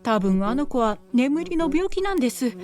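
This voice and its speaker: A woman playing an exhausted village mother at the end of her strength, pleading with her neighbors and close to tears. The voice rides high and strained. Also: sing-song, moderate pace, a little mellow. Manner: pleading, desperate and tearful. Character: worn-out poor mother pleading for her son.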